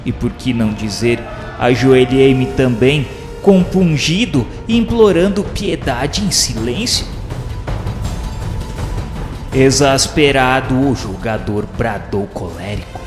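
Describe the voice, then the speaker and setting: A man's voice: mid-range voice, expressive, takes it slowly. Solemn male narrator in long, echoing reverb. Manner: solemn, theatrical, literary phrasing. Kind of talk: scripted dramatic narration for a radio novela. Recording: echoey long reverb, music underneath. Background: clear background music.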